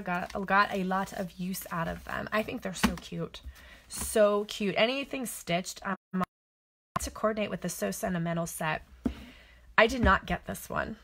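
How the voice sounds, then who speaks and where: A woman's voice: mid-range voice, moderate pace, fairly bright tone, a little hiss or hum. Woman, middle-aged, papercraft demonstrator, casual catalog walk-through, chatty, gushing. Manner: chatty and gushing, thinks aloud.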